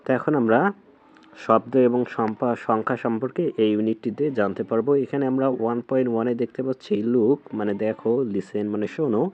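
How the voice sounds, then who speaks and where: Man, Bangladeshi accent, patient teacher, medium pitch, dull lo-fi sound. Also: fairly even intonation. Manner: slow, patient, repeats and splits English words into syllables. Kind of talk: textbook lesson explanation.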